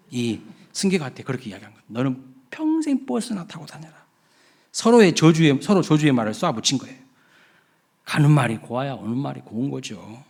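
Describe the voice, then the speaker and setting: A man's voice: mid-range voice, a little mellow. Storytelling Korean male pastor. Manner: storytelling, asking the congregation questions. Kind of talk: children's Sunday sermon. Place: church sanctuary.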